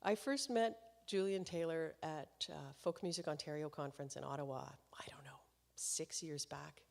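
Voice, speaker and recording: A woman's voice: low voice, normal speed, creaky. A woman hosting a live concert series, introducing the performer to the audience in a chatty way and laughing between remarks. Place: concert hall, live event. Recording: long hall reverb.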